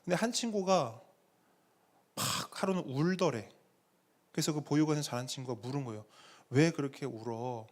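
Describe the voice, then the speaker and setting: Male pastor, middle-aged, lively sermon delivery, slightly raised pitch, dramatic pauses. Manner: animated preaching with dramatic pauses and acted quotes.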